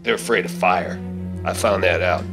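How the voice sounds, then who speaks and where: A middle-aged man on stage playing a gruff, take-charge survivor of a zombie attack in a radio play, with folksy phrasing. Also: low voice, moderate pace. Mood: steady, grim. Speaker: stage actor reading a script. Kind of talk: live radio-play acting. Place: theater stage. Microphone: stand microphone. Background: loud music.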